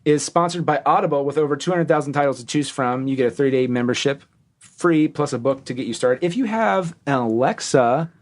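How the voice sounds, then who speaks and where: A man's voice: medium pitch, brisk. Rambling male podcast host. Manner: rambling, self-correcting, jokey. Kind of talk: casual podcast chat and sponsor reads.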